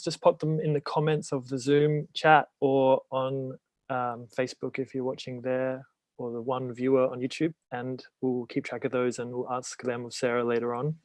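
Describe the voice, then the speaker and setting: Flat-voiced man hosting a video call. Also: mid-range voice, normal speed, dry recording. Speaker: interview host. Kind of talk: hosting a live-streamed video-call interview.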